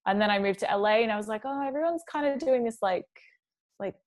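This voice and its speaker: A woman's voice: fairly high pitch, fast talker. A young adult woman, a singer, chatting casually in an interview, full of fillers and quoting herself.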